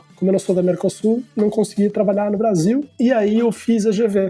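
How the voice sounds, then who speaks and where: Music plays in the background. The voice moves at a fairly quick pace with fairly even intonation. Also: man. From Portugal. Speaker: startup founder and CEO, trained doctor. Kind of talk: podcast interview. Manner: casual, conversational.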